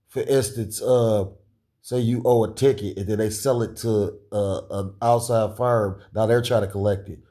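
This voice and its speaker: A man in casual podcast talk, rambling with many fillers and restarts and chuckling often, with a deep voice. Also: dark tone. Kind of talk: casual conspiratorial chat.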